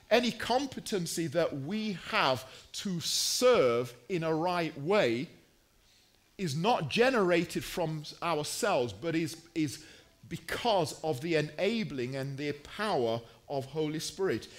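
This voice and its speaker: Male preacher, high-pitched voice, very unhurried sermon delivery, deliberate emphasis with pauses. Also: very animated.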